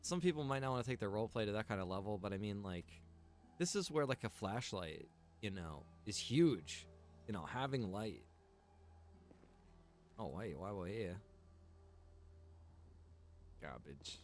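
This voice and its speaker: A man with a lively, swinging pitch talks casually on a game stream. He is chatty and informal, thinking out loud for his viewers, with music playing behind him. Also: a little slow, pauses often. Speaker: live streamer.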